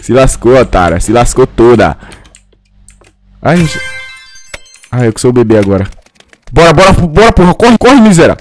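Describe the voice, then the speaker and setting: A man with a sore throat, swearing and yelling through casual game commentary. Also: mid-range voice, big pitch swings, normal speed, pauses often, faint music behind. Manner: swears a lot, yells and shrieks when caught. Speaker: gamer. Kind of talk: casual let's-play commentary.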